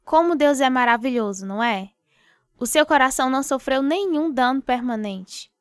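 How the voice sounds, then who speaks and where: A woman with a Brazilian accent playing a devout, encouraging wife in a radio drama, with a gentle, reverent manner. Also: high voice, expressive, normal speed, no room sound, clean studio sound. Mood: reverent, supportive.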